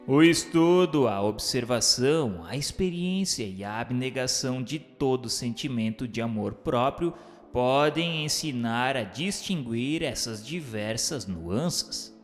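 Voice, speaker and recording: A man's voice: mid-range voice, lively intonation, measured pace. A man reading scripted narration and questions for a radio drama in a formal, declamatory manner. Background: music behind the voice.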